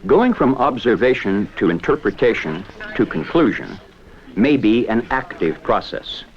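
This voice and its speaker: A man giving measured, explanatory scripted narration for a 1970s educational film. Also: on the low side, very animated, lo-fi sound.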